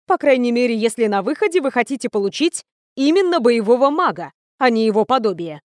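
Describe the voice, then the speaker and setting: A woman's voice: fairly high pitch, big pitch swings, fairly quick, a little mellow, no echo, studio quality. A woman voicing a stern female commander of a magic academy who speaks firmly and with authority. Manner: firm, commanding.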